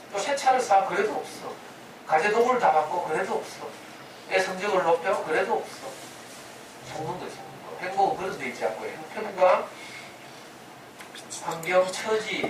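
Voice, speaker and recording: A man's voice: high voice, animated, brisk. A man giving a parenting lecture in a conversational way, full of rhetorical questions and acted-out quotes. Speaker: lecturer in a parenting humanities class. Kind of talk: lecture with sermon-like storytelling. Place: lecture room. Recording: echoey room from a distance, noisy.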